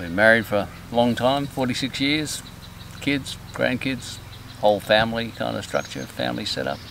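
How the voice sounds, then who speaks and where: With an Australian accent and lively intonation, a man talks at a moderate pace with long, frequent pauses over noticeable background noise. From Australia, Adelaide. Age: 60s. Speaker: war veteran. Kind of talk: casual interview. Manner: halting.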